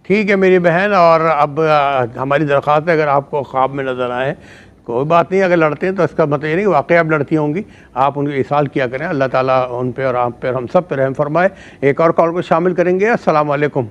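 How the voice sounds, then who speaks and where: A male host runs a call-in show. His voice is a little high and the audio is slightly dull. He greets each caller courteously and formally.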